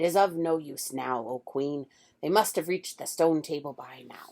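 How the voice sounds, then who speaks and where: Delivered at a moderate pace, a put-on character voice sits at a middle pitch. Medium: read story. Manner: deferential to mistress.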